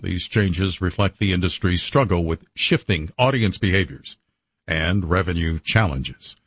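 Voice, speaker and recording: Male newsreader, very low voice, dry studio sound, steady read. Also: measured pace, breathy edge, no echo. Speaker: radio newsreader. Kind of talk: news bulletin reading.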